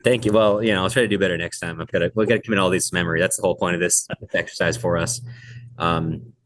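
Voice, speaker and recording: A man's voice: sits low, fairly even intonation, fast, fairly bright tone, a little hiss or hum. A man co-hosting a podcast, discussing books in a casual, conversational style. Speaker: podcast co-host.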